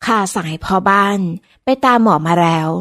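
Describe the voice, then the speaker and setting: A woman voicing a gentle, remorseful older noblewoman, a mother-in-law who speaks slowly and softly. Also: medium pitch, no room sound, natural voice.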